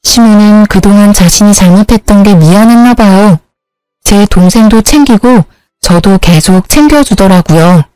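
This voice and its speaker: A woman narrating her own story in a calm, confiding way. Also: mid-range voice, no room sound, poor audio. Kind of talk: first-person story narration.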